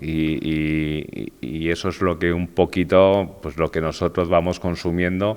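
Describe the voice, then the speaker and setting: Very deep and low in pitch, a man speaks with a slight Aragonese accent and fairly even intonation. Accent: slight Aragonese, says he has little. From Zaragoza, Aragon, Spain. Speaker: film director. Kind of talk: panel discussion.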